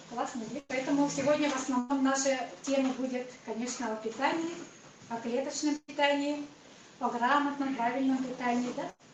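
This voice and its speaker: A woman with a high pitch and monotone, flat intonation speaks at a moderate pace over noticeable background noise. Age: 60s. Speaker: retired pediatrician, health product presenter. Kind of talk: presentation to live audience. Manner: hesitant, many fillers.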